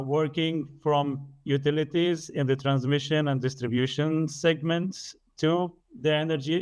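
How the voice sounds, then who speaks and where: A man's voice: mid-range voice, clean tone. A man in his late thirties whose first language is Arabic, a podcast guest explaining things earnestly and carefully in conversation. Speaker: podcast guest, energy business developer.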